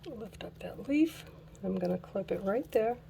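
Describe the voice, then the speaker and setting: A woman hosting a casual craft tutorial who is losing her voice, chatting slowly while she works and laughing at her own mishaps. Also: mid-range voice, lively intonation, vocal fry, mellow, a little hiss or hum. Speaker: craft channel host.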